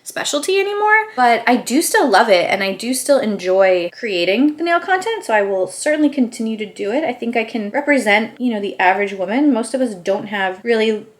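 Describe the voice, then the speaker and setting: A woman's voice: a little high, animated, brisk, few pauses. A young woman vlogger chatting casually at home while painting her nails, upbeat and rambling, a little out of breath. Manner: chatty, upbeat, rambling with frequent "like" and "I don't know". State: slightly out of breath. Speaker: beauty vlogger. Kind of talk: casual chat while doing a manicure. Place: dining room at home.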